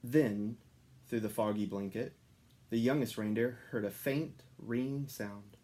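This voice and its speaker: A man reading a children's story aloud as an expressive narrator. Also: fairly low pitch, measured pace. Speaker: storybook reader.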